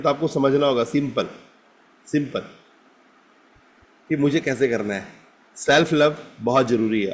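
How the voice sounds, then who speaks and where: A middle-aged man teaching a live group self-help session, talking directly to participants by name and often checking they follow along. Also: medium pitch. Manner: direct, addresses participants by name, repeats "ठीक है ना?".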